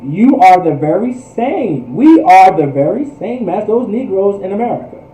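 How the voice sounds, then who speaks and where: A man's voice: high voice, sing-song, moderate pace, warm tone. A man teaching in a fervent preaching style, emphatic, with repetitive, rhetorical phrasing. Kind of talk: fervent religious history teaching. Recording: echoey room, distant microphone.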